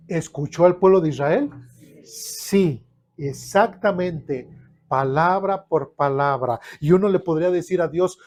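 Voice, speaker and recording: A man preaching a sermon, asking the congregation questions and acting out people's complaints. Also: on the high side. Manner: animated, asks the congregation questions, acts out complaints.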